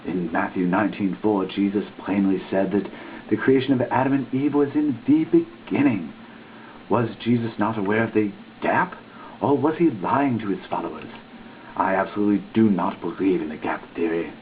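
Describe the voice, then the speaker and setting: Phone-like recording, low-voiced man reading dramatically. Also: lively intonation. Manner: theatrical, deliberate with emphatic pauses. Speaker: reader. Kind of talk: dramatic reading of a religious dissertation. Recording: muffled lo-fi phone-like sound, background hiss.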